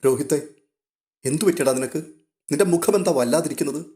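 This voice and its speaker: Man doing young woman, elder sister, anxious, tender, pleading, higher pitched, audio storybook. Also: a little fast, dark tone, lightly acted. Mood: worried.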